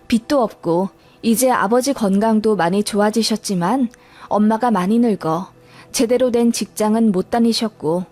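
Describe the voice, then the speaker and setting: A woman's voice: fairly high pitch, darkish tone. A woman narrator reading a scripted first-person life story. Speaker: narrator of listener life stories.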